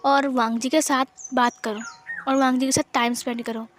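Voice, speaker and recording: A woman's voice: high voice, little pitch movement, normal speed, a bit bright, a little hiss or hum. A woman voicing a worried, caring middle-aged mother who coaxes her son. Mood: concerned. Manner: coaxing and concerned.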